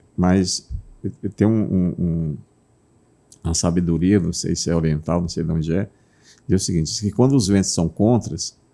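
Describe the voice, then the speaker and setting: At a moderate pace but with long, frequent pauses, a man speaks in a very deep, low pitch with a dark, mellow tone and ordinary pitch variation. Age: 70s. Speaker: mayor. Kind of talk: interview. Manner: halting.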